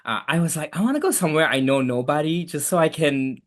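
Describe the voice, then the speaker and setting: His voice sits on the high side, quick and animated. This young immigration attorney from Malaysia, with a Malaysian accent, is a podcast guest in a casual interview, keeping things relaxed, chatty and full of fillers.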